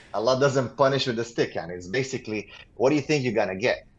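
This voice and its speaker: Speaking with a Romanian accent, a man of medium pitch shows vocal fry and lively intonation. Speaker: Islamic scholar. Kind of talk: religious discussion.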